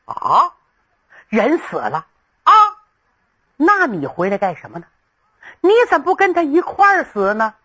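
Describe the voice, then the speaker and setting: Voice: medium pitch, huge pitch swings, measured pace, pauses often, sharp tone, husky, highs cut off, exaggerated voice. Storyteller doing a scornful, haughty crown prince. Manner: scornful, commanding. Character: haughty, harsh young male crown prince.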